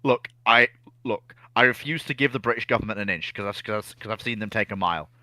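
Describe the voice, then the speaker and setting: Man, slightly low pitch, tense bright tone, very dry sound, casual opinionated chat, emphatic restarts. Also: brisk, dry recording.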